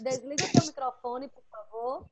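A woman's voice: high-pitched, over a noisy crowd. A woman teaching an online class to young children, patient and coaxing. She uses lots of diminutives and checks in often. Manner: fond of diminutives, spells out syllables slowly. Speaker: first-grade teacher. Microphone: computer microphone, with headphones.

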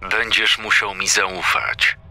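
Guy doing a creepy whispery phone caller, deep and gravelly, slow. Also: steady tone, a crowd in the background. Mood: menacing. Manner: hushed, menacing whisper. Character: sinister calm older man whispering on the phone.

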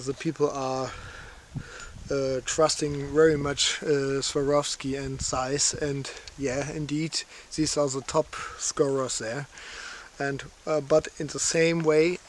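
A man in his forties speaks slowly and haltingly, searching for words in simple English. His voice sits a little high. He is recorded outdoors on a camera at arm's length, with faint rain and open-air noise behind him. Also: level tone. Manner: halting, many fillers, simple non-native phrasing. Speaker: outdoor channel host. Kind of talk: casual gear review. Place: outdoors on a lakeshore in light rain. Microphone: handheld camera at arm's length.

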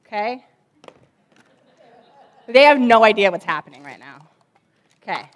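A woman's voice: a little high, lively intonation, a little slow. A woman in her forties, a children's ministry director, giving a chatty object lesson sermon from a church stage with lots of fillers.

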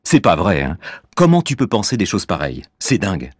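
Man, insistent and indignant, very animated pitch, dry studio read. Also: fairly quick, breathy edge, dry recording. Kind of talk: scripted dialogue for a language exam.

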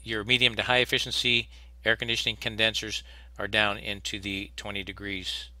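A man's voice: on the low side, level tone, fairly quick, bright, forceful tone, no echo. A man teaching HVAC technicians in a recorded slide lecture, plainspoken and practical, often restarting his sentences. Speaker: HVAC instructor.

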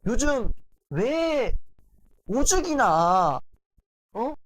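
A man giving a lecture on family relationships in a lively, rambling way, often acting out family arguments. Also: extremely high pitch, drawn-out words. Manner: animated, heavy use of fillers, acts out quoted family arguments. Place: lecture stage.

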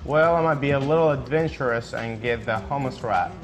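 A man's voice: medium pitch, moderate pace, faint music behind, natural voice. A man playing an easygoing young man ordering food at a diner in a scripted course-video dialogue. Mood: casual.

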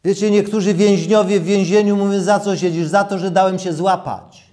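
A man in his sixties preaching a sermon and reading scripture in a deliberate, emphatic way, repeating key phrases. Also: high-pitched, fairly even intonation, a little mellow. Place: small church room, at a lectern.

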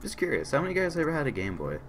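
A hoarse young man with a sore throat, casually commentating a game he is playing, reading on-screen messages aloud and answering them. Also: on the high side, wildly swooping pitch, very fast, soft background music. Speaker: gaming channel host. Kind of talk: casual let's-play commentary.

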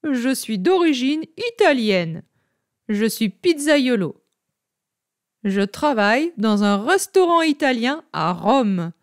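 A jolly, hearty pizza chef, as a woman puts him on booms out each line, loud and pleased with himself. He keeps an easy, unhurried pace with a lively swing in pitch. The voice sounds dry and close. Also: dry recording. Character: jolly middle-aged male pizza chef. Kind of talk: scripted language-lesson role play.

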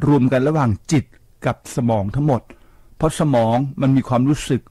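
An older man hosts a radio talk show from the studio, lecturing listeners in a lively, preachy way with rhetorical questions and English words sprinkled in. His mid-range voice is brisk, and the studio-mic recording is dry.

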